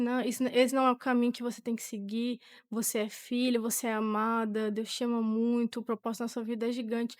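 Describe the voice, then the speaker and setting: A teenage woman with a Brazilian accent shares her personal testimony in conversation. Her voice sits fairly high, and she talks informally, often restarting her phrases. The recording is close and dry. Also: no echo. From Portugal, born to a Brazilian family. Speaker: podcast guest, young church singer.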